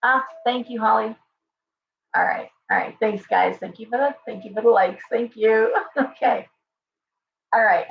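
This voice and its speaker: Brief: hoarse woman, chatty tarot livestream host, off-mic in an echoey room, dull sound. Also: fairly high pitch, a little slow, pauses often, far from the mic. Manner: chatty, thanks viewers by name, restarts often. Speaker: tarot reader hosting a livestream. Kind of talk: casual livestream tarot reading.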